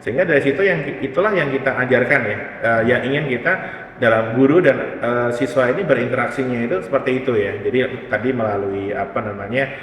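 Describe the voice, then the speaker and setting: A man who is a company CEO, explaining his ideas as an interview guest in a relaxed, unhurried way. He often pauses and reaches for his words. He is recorded from a distance in a reverberant hall, with faint ambient noise behind him. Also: medium pitch. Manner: thoughtful, many pauses and fillers. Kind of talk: explanatory casual chat.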